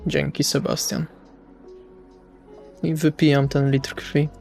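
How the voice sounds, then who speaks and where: Gravelly, higher-voiced male roleplayer. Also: little pitch movement, slow pace, a little mellow, faint music behind. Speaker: player in a tabletop roleplaying game. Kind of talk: casual in-character roleplay.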